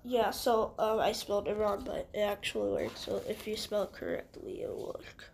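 A woman's voice: medium pitch, animated, moderate pace, gravelly, darkish tone, slight background noise. A woman with a stuffy nose giving rambling, hesitant casual gameplay commentary as a gaming channel host. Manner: rambling, hesitant with many ums and restarts.

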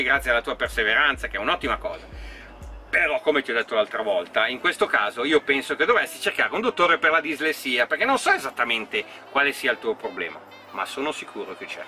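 A bright-toned man with a lively, bouncing voice answers his haters with open sarcasm and mockery. He speaks the language as a second tongue and talks over faint music in the background. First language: not Italian. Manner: mocking, sarcastic, reads comments aloud in exaggerated high voice. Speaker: vlogger reading hater comments. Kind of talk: sarcastic comment-reading vlog.

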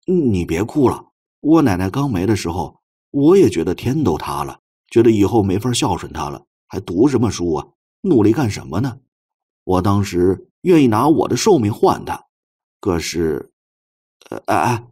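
一名男播讲者在有声小说里扮演一个腼腆笨拙、真诚而怀着哀思的年轻男人，说话磕磕绊绊。. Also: male voice, fairly low pitch, sing-song, mellow, slightly rough. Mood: flustered consoling. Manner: halting, stammering, awkward. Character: shy, clumsy, earnest young man, tenderly grieving. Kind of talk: audiobook character dialogue.

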